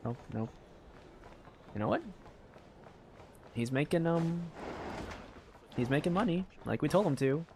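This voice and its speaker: A man streaming a game, reacting excitedly and reading game text aloud in casual commentary. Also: on the high side, measured pace, pauses often, a little hiss or hum. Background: faint game music.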